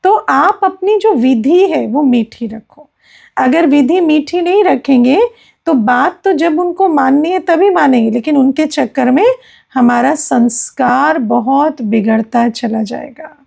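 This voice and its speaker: A woman spiritual teacher giving a gentle explanatory discourse, often checking in with her listeners. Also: sits high, unhurried, gravelly.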